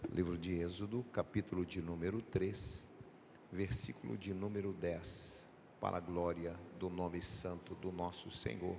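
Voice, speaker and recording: A man's very deep, low voice with vocal fry, ordinary pitch variation and a very slow pace, plus audible room echo. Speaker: pastor. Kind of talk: sermon. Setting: church.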